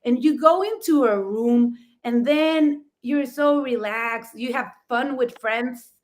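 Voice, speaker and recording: A middle-aged woman with a Mexican accent and Spanish as her first language tells personal stories on a talk show. Her voice sits on the high side, and she speaks in an effusive, emphatic way. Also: takes it slowly. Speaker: talk show host and florist.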